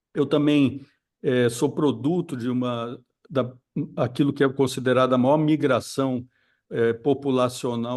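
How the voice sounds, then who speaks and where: Against a quiet background, a man with a medium pitch talks at a fairly slow pace with fairly even intonation. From Brazil, São Paulo and Rio de Janeiro. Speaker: poet and graphic designer. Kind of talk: online talk presentation. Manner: halting, many repetitions and fillers.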